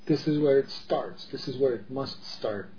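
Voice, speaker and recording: A man's voice: mid-range voice, normal speed. A middle-aged man from the Czech Republic, talking in an earnest, emphatic way with many restarts in a casual discussion. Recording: dull lo-fi audio with faint noise.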